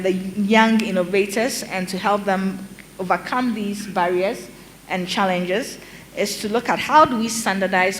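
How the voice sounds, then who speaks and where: A middle-aged woman from Ghana with a Ghanaian accent, explaining a program on a conference panel in a measured way, with many ums and restarts. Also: medium pitch, a little hiss or hum. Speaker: panel speaker.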